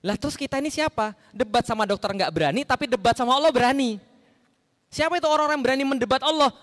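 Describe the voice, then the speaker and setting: A man preaching an Islamic sermon in a conversational way, asking the audience rhetorical questions and acting out the lines he quotes. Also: quick pace. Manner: acts out quoted lines with sharp rises in pitch and volume. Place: large hall. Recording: long hall reverb.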